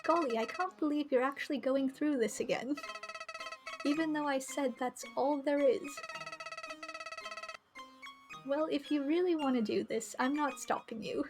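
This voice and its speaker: A woman's voice: high-pitched, measured pace, pauses often. A woman voicing a small talking flower in a game, a falsely sweet villain with a mock-friendly, needling manner. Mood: falsely cheerful. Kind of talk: visual novel character read aloud. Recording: music behind the voice.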